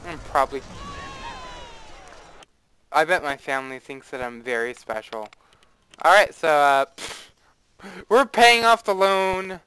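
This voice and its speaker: A man's voice: on the high side, unhurried, pauses often, sharp tone, clean tone, dry recording, low-quality recording. A young man casually commenting on his own gameplay, rambling and playfully dramatic, with a desktop mic and faint background noise. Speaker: let's play host.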